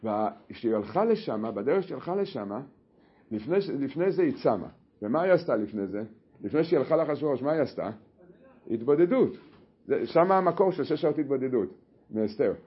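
A man teaching a Torah lesson, telling the story in an animated way with many restarts. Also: medium pitch, husky, dull audio. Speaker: religious teacher.

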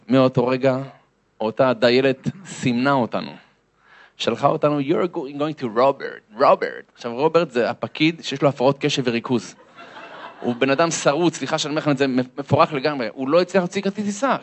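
A man, a lecturer, telling a comic story to an audience and acting out the voices and sounds in it. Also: medium pitch.

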